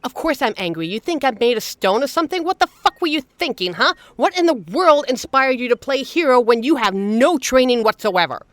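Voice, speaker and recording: Woman doing a protective lady secret agent, intense and emotional, pitch all over the place, really dry sound, audio roleplay. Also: very animated, a little fast, few pauses, no echo. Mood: angry, scolding. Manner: emotional, scolding, emphatic, swearing. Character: normally suave female secret agent, fiercely protective, angry and anguished. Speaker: voice actor in a scripted audio roleplay. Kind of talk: intimate dramatic audio roleplay monologue.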